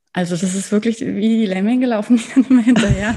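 Her voice sits at medium pitch for a woman, with ordinary pitch variation. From Germany, bilingual German-Danish. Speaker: hobby knitter and knitting pattern designer. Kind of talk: casual interview chat.

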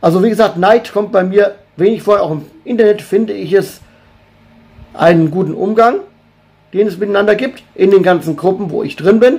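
A man talks at a moderate pace in a high pitch. He takes long, frequent pauses. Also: ordinary pitch variation. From Hesse, near Gießen. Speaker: DJ. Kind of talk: video statement.

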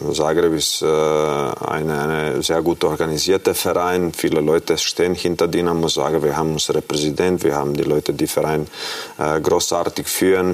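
A man speaks with a Croatian accent at a moderate pace. Noticeable background noise is present. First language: Croatian (speaking German). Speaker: football coach. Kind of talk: TV talk show.

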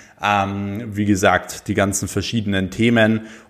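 In an energetic tone, a man speaks at a fairly low pitch. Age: 20s. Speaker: entrepreneur and podcast host. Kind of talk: casual solo podcast monologue. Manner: energetic, lots of filler words.

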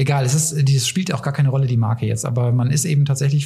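A man talks at a very fast pace in a medium pitch with fairly even intonation, over noticeable background noise. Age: old. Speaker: podcast co-host, leadership consultant. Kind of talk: casual discussion.

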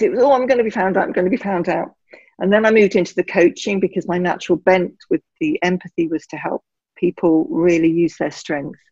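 A woman with an unremarkable speaking voice talks at a fairly quick pace with lively intonation. The sound is dry and close, with no echo. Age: 60s. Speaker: neurodiversity coach. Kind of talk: interview.

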